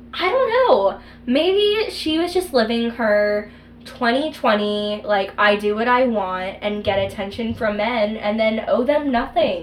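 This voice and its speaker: Very slowly, a woman with an American accent speaks at a fairly high pitch with lively intonation. Noticeable background noise is present. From Texas. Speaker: comedy podcast co-host, improviser. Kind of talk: casual chat.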